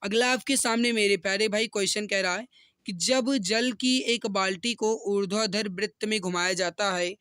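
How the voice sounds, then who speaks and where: High-pitched man teaching an exam class. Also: moderate pace, bright, forceful tone, clear, resonant tone, dry recording, clean studio sound. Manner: instructional, often addressing listeners directly. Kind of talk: exam question walkthrough for students.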